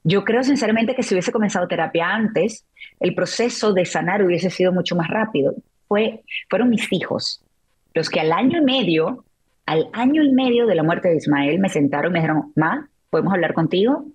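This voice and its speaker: Husky middle-aged woman sharing her story. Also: on the low side, animated, normal speed, a little mellow. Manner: candid, reflective, emotional retelling with many restarts. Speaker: interview guest, journalist and author. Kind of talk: personal storytelling in a podcast interview.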